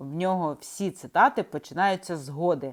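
The recording is very clean with a silent background, and the woman in it talks at a fairly slow pace. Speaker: online reader of a history book. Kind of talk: reading aloud. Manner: careful diction.

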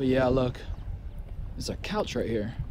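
A man is heard in a dry sound with no echo. There is noticeable background noise. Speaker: vlogger. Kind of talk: casual vlog chat. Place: open country. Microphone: phone near.

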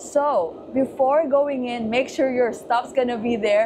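A woman is heard with noticeable noise in the background. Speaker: travel vlogger. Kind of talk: casual vlog chat. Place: train. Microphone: phone near.

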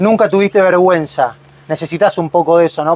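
Fairly quick, high-pitched male speech with ordinary pitch variation and a dry sound with no echo. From Argentina. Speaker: interviewer. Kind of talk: casual chat. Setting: football stadium. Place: stadium. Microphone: lapel.

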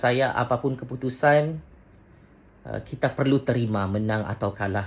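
A somewhat breathy voice at a fairly slow pace, with fairly even intonation. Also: man. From Malaysia. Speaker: political commentator. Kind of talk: political monologue. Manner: halting with frequent fillers. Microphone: phone near.

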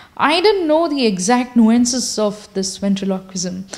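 A woman talks with a Kannada accent. Her pitch is fairly high and her intonation lively. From India, Bangalore. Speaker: ventriloquist. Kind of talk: interview. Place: home room. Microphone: handheld.

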